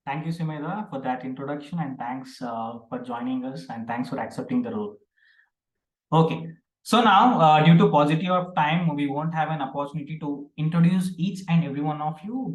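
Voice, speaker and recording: A man with a fairly high voice chairs a club meeting over a video call. He welcomes guests in a friendly way with many small fillers. His sound is echoey, as if in a bare room. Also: normal speed. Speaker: presiding officer of an online speaking club.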